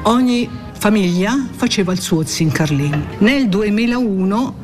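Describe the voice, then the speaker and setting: Woman interviewee over clear music. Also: medium pitch, expressive, measured pace. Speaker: interviewee, cheesemaker. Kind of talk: explaining in an interview.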